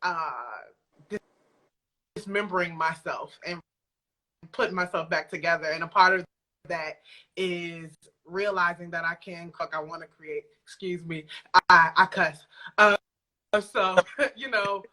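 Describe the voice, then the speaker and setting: A woman speaking as an interview guest on a remote call, informal and reflective, often halting as she works out her answers. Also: on the low side, fairly even intonation, pushed and bright, low-quality recording. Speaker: guest, audio drama creator. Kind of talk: casual interview chat. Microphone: remote video call.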